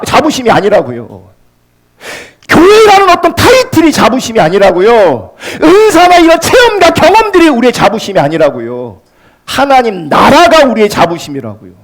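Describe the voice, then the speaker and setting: Male pastor, high voice, wildly swooping delivery, passionate sermon, loud peaks and hushed drops. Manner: impassioned preaching, swinging from loud peaks to hushed lines.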